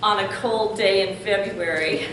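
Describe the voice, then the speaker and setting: A woman's voice: medium pitch, unhurried. Older lady welcoming folks at a town meeting, chatty, laughs a lot, far from the mic, big echo. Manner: warm-voiced, outgoing, laughs often. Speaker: community organizer giving welcome. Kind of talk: public meeting remarks. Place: community meeting hall. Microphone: room mic at a distance. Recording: echoey room from far off, noisy.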